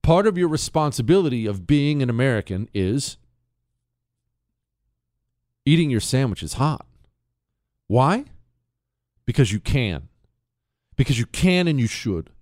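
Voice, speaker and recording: Animated ranting male talk radio host. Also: medium pitch, measured pace, pauses often. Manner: animated, ranting, mock-outraged, teasing a co-host. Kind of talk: opinionated talk radio monologue.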